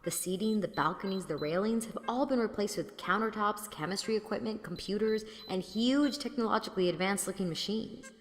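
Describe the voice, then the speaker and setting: A woman's voice: medium pitch, a little fast, few pauses, a little hiss or hum, close to an everyday voice. A woman playing an exasperated, sarcastic heroine who also narrates an audio drama, blunt in manner. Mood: uneasy, narrating. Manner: sardonic, blunt. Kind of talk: audio drama acting with first-person narration.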